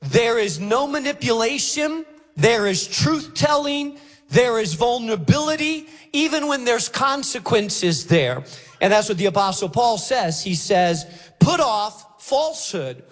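Male preacher from Spain, high-pitched, emphatic and deliberate sermon delivery, reverberant hall. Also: very animated. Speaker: pastor preaching. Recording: reverberant hall, faint music.

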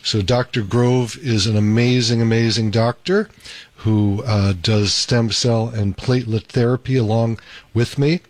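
A man's voice: mid-range voice, fairly even intonation, a little slow, dry recording. Chatty male radio doctor. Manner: easygoing, chatty, with fillers. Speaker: radio show host, doctor. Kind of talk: live radio talk show. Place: radio studio. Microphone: studio microphone.

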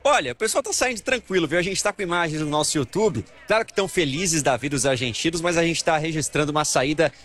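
Lively young Brazilian field reporter. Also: male voice, on the high side, quick pace, hardly any pauses, soft background music. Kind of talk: live news report from the field. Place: outside a football stadium.

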